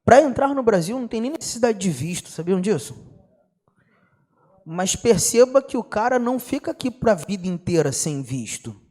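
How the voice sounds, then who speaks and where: A young adult man with a Brazilian Portuguese accent giving an exam-prep law lecture, slangy and animated, constantly asking students rhetorical questions. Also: sits high, normal speed. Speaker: law teacher.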